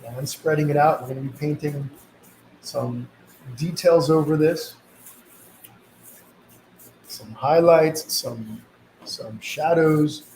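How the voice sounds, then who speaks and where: This live painting tutorial is led by a man with a fairly high, slightly mellow voice who talks slowly and pauses often. A mild cold gives him slight sniffles, yet he stays easygoing and reassuring. Echo and some background noise fill the recording.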